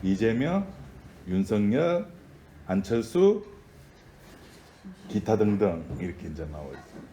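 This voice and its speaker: A man's voice: lowish voice, very animated, a little slow, pauses often, warm tone, reverberant, a little hiss or hum. A man preaching a sermon in a conversational style, often asking the congregation questions. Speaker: pastor.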